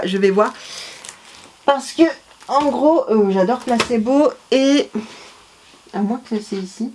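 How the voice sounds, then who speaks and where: A woman's voice: fairly high pitch, darkish tone, slight background noise. A woman vlogger, chatting casually and rambling with many fillers and self-corrections. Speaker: vlogger presenting her CD collection. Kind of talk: casual chat.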